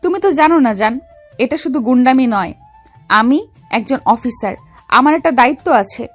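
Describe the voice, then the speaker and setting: A woman's voice: high-pitched, animated, moderate pace, no room sound. A woman playing a bold young female gangster and secret officer in a dramatized love story, commanding yet affectionate. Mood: tender, determined. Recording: music under the voice.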